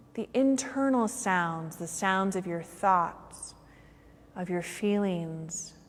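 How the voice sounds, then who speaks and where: Woman guiding meditation in long reverb. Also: mid-range voice. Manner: unhurried phrasing with long pauses. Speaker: yoga teacher. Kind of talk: guided meditation.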